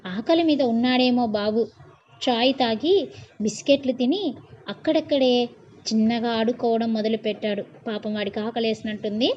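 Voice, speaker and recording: Woman storyteller, bedtime tale, casual asides, slightly high voice, dull lo-fi audio. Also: moderate pace, slight background noise. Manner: reads, then retells and explains in casual asides. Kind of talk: colloquial bedtime story narration.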